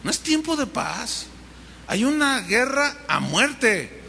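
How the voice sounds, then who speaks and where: A man's voice: extremely high pitch, big pitch swings, takes it slowly, gravelly, bright, forceful tone, a little hiss or hum. A man with a Mexican Spanish accent preaching a sermon as pastor, telling the story vividly and acting out the dialogue. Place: church hall. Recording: long reverb of a large hall.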